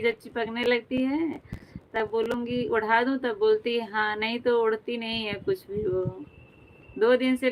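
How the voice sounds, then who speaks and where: Young woman, casual live chat on her phone, slow, flat delivery. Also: fairly high pitch, slight background noise, poor audio. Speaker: live stream host.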